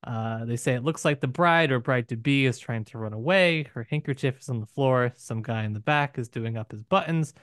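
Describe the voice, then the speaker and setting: A man with a mid-pitched voice muses through a casual literary discussion as a podcast co-host. He feels his way haltingly through ideas and often turns them into rhetorical questions. The sound is dry, with very little room in it. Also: a bit bright, no echo. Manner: musing, poses rhetorical questions, halting with filler phrases.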